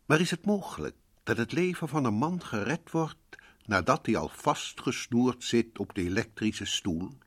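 An actor playing a sinister, theatrical host in black, narrating a radio horror series in an ominous, deliberate way. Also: male voice, mid-range voice, animated. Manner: ominous, deliberate, sometimes sinking to hushed tones. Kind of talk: dramatic scripted radio narration.

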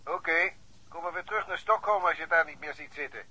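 A police superintendent in a radio play, dry and matter-of-fact. His voice is very bright and high, with a husky grain. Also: quick pace, full character voice. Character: dry, steady male police chief on the phone. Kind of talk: radio drama acting.

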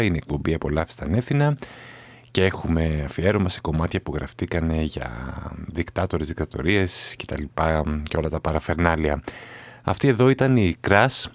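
A man hosting a music radio show, talking casually with many pauses and fillers. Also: low-pitched, no room sound. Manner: relaxed, many hesitation fillers.

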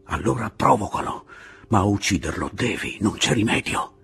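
Male reader doing a slightly drunk gypsy fighter: hushed, pressing, raspy, a bit raised in pitch. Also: big pitch swings, normal speed, faint music behind, full character voice. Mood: insistent. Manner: hushed, insistent. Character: tipsy, blunt male gypsy guerrilla, urging murder.

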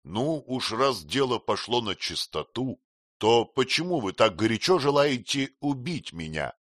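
A man voicing a bold male adventurer who talks drily, slowly and deliberately. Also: fairly low pitch, big pitch swings, fairly bright tone, dry recording, voice pushed up. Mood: dry. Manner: dry, slow and deliberate. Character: bold, dry-witted adult male adventurer.

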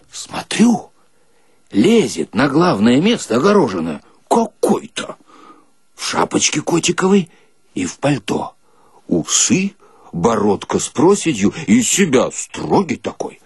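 Man acting a naive soldier telling tales, lively intonation. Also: medium pitch, slightly rough, no room sound, clean studio sound, pitched above the performer's own voice, exaggerated voice. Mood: wondering, bemused. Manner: folksy, colloquial, simple-hearted. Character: naive illiterate Red Army soldier, a comic storyteller. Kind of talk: dramatic reading of a comic short story.

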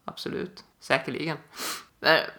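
A young man co-hosts a casual podcast from a living room. His voice sits a little high and gravelly, with a bright edge. He talks in a loose, chatty way, full of fillers and restarts. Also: fairly even intonation. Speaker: podcast co-host. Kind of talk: casual chat.

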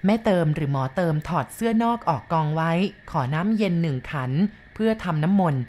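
A woman narrating a ghost story in a slow, measured way. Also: low voice, expressive, a little mellow.

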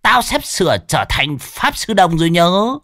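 A man's voice: high-pitched, sing-song, unhurried, bright, forceful tone, no room sound, studio quality, pitched above the performer's own voice, full character voice. A man voicing a crude, boastful old male shaman who mocks and cackles.

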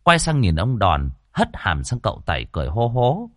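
A man narrating a ghost story in an expressive reading. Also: lowish voice, moderate pace, dry recording, clean studio sound.

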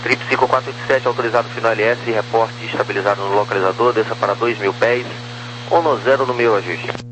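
A man's voice: mid-range voice, fast talker. A Brazilian man giving clipped, procedural air traffic control instructions over a two-way walkie-talkie radio. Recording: noisy radio transmission with hum.

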